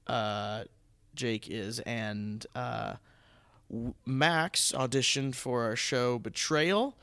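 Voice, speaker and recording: A man with an American accent hosts a casual podcast conversation. His mid-pitched voice wanders through restarted sentences. The sound is dry, with very little room in it. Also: extremely slow, bright, forceful tone, no echo. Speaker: podcast host and theatre producer.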